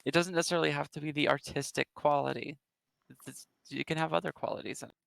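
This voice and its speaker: A man's voice: on the high side, fairly even intonation, quick pace, vocal fry, fairly bright tone, smooth, no echo. A young man hosting a casual livestream chat through a headset, easygoing and joking.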